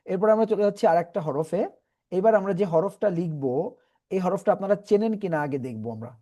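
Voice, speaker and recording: A man teaching Quran reading in an online class, patiently explaining and slowly repeating letter sounds for his students. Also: high voice, lively intonation, mellow.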